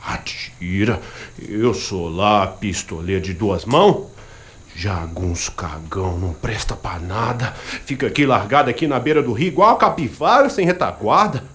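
Grumbling, animated backwoods gunman. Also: on the low side, normal speed. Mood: scornful grumbling. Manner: scornful, muttering complaints. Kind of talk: audio drama acting.

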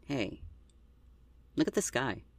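A performer acting in an audio drama as an anxious, tender young driver with a gentle, hesitant, earnest way of talking. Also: mid-range voice, sing-song, slow pace, dry recording. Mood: hopeful, earnest.

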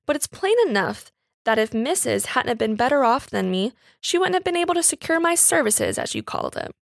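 A woman's voice: a little high, sing-song, a little fast, vocal fry, no room sound, studio quality. A woman voicing a pert, defiant young housemaid with uneducated servant's speech in a story reading.

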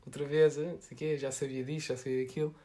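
A man's voice: medium pitch, little pitch movement, fast talker, mellow. A young man with a European Portuguese accent co-hosts a podcast, explaining things in casual, slangy chat. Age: young adult. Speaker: podcast co-host.

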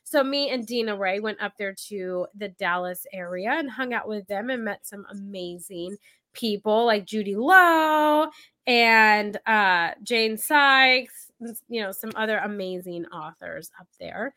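A woman's voice: medium pitch, unhurried, sharp tone. A woman from Texas hosting a podcast in casual chat, sounding nasal from hay fever and filling her talk with "like". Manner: chatty, upbeat, many "like" fillers. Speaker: podcast host.

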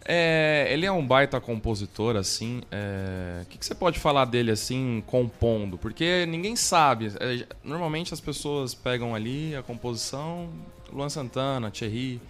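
A man co-hosting an interview, asking relaxed questions full of fillers. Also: mid-range voice, moderate pace, few pauses, soft background music. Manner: easygoing, asks questions with fillers. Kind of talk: casual interview chat.

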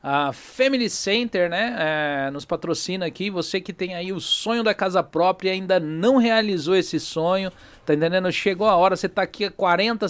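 A man's voice: high voice, smooth, dry recording. A man hosting a podcast in a small studio, chatty and jokey, tagging his lines with little questions. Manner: chatty, jokey, fills with "né?" and "tá entendendo?". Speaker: podcast host. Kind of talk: casual podcast chat with sponsor reads.

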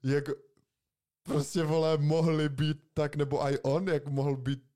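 A man's voice: a little high, level tone, mellow. A young man co-hosting a podcast, musing aloud in slangy, amazed casual talk. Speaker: podcast co-host. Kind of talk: casual chat.

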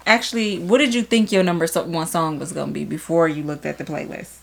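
A young adult woman talking casually as a podcast co-host. Her voice sits a little low, and she chats in a loose, slangy way. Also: a little fast, creaky. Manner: relaxed, conversational, uses slang. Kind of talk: casual chat.

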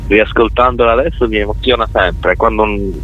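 A man's voice: steady tone, brisk, phone-quality sound. A middle-aged man from Sicily with a Sicilian accent speaks as a musician being interviewed casually from a car, restarting phrases as he reflects. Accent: Sicilian Italian. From Sicily, Italy. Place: inside a car. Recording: noisy with rumble, band-limited sound.

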